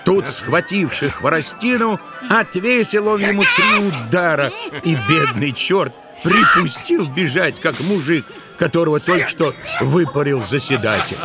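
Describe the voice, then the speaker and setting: A man narrating a literary tale for an audio play, expressively, with drawn-out emphatic words. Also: a little high, expressive, over loud music.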